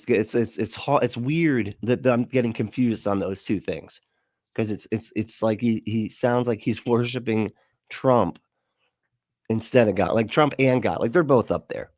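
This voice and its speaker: A man's voice: fairly low pitch, a little mellow, no echo, clean studio sound. A man giving casual, sarcastic commentary on a clip, laughing often. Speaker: host.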